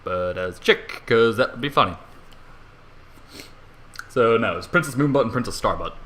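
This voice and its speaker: A man's voice: mid-range voice, expressive, moderate pace, fairly bright tone. A man narrating a comedic story theatrically, with irreverent, sweary asides. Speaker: amateur fan fiction reader.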